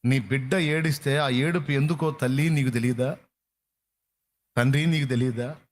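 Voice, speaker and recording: A man's voice: mid-range voice, steady tone, moderate pace. A man preaching a sermon with fervor, repeating phrases for emphasis. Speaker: pastor.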